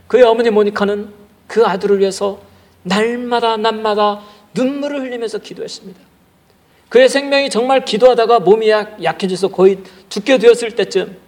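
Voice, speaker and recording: Male pastor, sermon, animated storytelling, fairly high voice. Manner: animated storytelling that acts out the characters.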